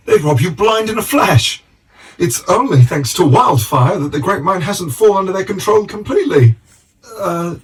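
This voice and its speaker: Tired old british grandpa for a game, highish wobbly-pitched complaining, slightly distant. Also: male voice. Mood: bewildered. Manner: hesitant, bewildered, complaining. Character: weary, put-upon old miner, grandfatherly and forgetful. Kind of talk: video game voice acting.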